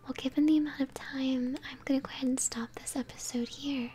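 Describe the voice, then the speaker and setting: A young woman whispering gently as she hosts an ASMR let's-play, commenting on a game. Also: sits high, fairly even intonation, brisk, soft background music. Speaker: host, gamer. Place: small room at home, indoors.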